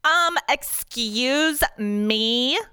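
A man voicing a snotty, privileged woman customer who is quick to take offence. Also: very high voice, expressive, pushed and bright, clean tone, pitched above the performer's own voice, heavily acted. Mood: indignant.

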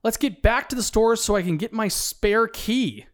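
A man's voice: sits high, normal speed, voice pushed up, natural voice. A man voicing a worried, sensible buddy. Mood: pleading. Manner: pleading, earnest. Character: cautious reasonable grown man, worried.

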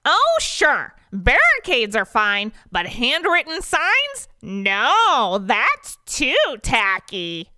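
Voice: medium pitch, huge pitch swings, extremely slow, few pauses, sharp tone, smooth, dry recording, clean studio sound, pitched above the performer's own voice, exaggerated voice. A performer voicing a whiny, sarcastic male pizza shop employee in a comic story, drawing out complaints. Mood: sarcastic complaining.

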